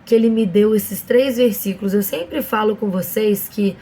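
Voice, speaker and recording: A woman with a hoarse, mid-range voice and dark tone hosts a casual online devotional talk. She addresses viewers directly with frequent fillers and reads Bible verses slowly and deliberately.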